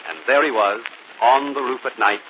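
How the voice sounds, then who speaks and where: An actor playing a brilliant, self-assured gentleman detective in a 1940s radio mystery, explaining calmly. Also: medium pitch, moderate pace, close to an everyday voice. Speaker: detective and show host. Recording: muffled old radio broadcast, faint hiss.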